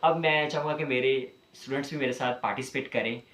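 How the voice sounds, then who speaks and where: A man, a tutor teaching spoken English to students at home, patiently repeating words slowly for practice. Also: medium pitch, fairly bright tone, a little hiss or hum. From Pakistan. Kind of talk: classroom teaching, explaining pronunciation. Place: room in a home during home tuition. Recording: echoey room.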